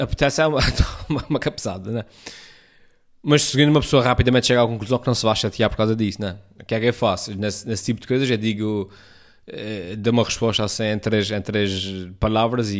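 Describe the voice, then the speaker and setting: A man with an Azorean accent from São Miguel, hosting a podcast and chatting casually in reply to a listener's message, rambling with many restarts and fillers. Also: fairly low pitch. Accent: Azorean Portuguese, São Miguel. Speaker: podcast host.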